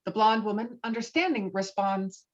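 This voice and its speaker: A woman's voice: mid-range voice, moderate pace. A lo-fi, slightly muffled online recording of a woman narrator. She reads film stage directions in a mid-range voice, as scripted narration at a table read. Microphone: online call microphone.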